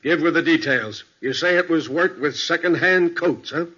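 A brash, wisecracking male cop, with a fairly high, hard-edged voice. The vintage radio recording is dull. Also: normal speed, bright, forceful tone. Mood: curious. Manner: blunt, barking, wisecracking. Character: brash, gruff male police detective. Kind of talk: 1940s radio acting.

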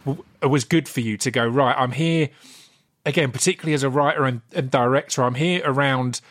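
A man's voice: medium pitch, brisk, a bit bright. Eager English man from Essex, stumbling. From Essex, England. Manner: enthusiastic, stumbling over words. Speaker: podcast host. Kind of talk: casual interview chat.

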